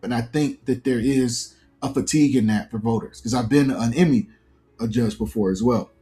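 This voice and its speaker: Mellow and medium-pitched at a moderate pace, a man in his early forties answers questions in a conversational interview. The fiction podcast creator is earnest and thoughtful, explaining at length.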